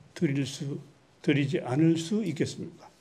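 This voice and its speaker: In a room with audible echo, a man talks at a very slow pace in a fairly high voice. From Korea, Gyeongsang-Chungcheong border near Gubyeongsan. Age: 70s. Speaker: poet. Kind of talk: public lecture. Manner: conversational, repetitive.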